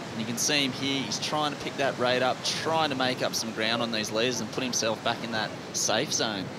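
A man talks at medium pitch in an animated tone and a fairly quick pace. He leaves hardly any pauses, with noticeable background noise behind him. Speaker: sports commentator. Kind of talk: live sports commentary. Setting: outdoors at beach event, broadcast. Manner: animated, fluent play-by-play.

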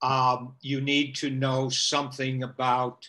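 Bright and sharp in tone, a man with a Chicago accent speaks at a medium pitch. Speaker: retired public health worker. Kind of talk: panel debate. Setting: video call. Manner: halting. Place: home room. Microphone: video call.

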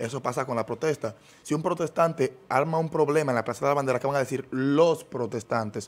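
A man with a fairly high pitch, fairly quick pace and ordinary pitch variation. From Dominican Republic, San Francisco de Macorís area. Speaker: youth protest activist. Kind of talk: interview. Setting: studio. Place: studio. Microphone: studio mic.

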